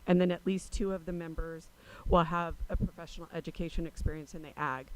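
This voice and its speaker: American staffer guy explaining code at a meeting, highish voice, very flat delivery. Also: brisk, low-quality recording. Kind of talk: explanatory public meeting remarks. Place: city council chamber.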